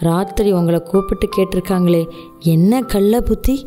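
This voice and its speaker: Young woman, actress playing a sharp-tongued, suspicious daughter-in-law, sarcastic and accusing, dark mellow tone. Radio drama. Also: medium pitch, moderate pace, soft background music, natural voice.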